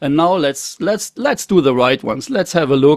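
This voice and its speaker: With a German accent, a man speaks at a fairly high pitch with ordinary pitch variation, the sound dry and close with no echo. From Germany. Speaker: interviewer, musician and caricature artist. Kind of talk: interview. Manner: halting.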